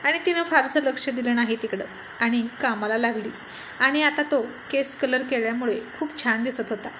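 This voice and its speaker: A woman storyteller reading a serialized romance story aloud in a steady storytelling manner. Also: on the high side, normal speed, background noise.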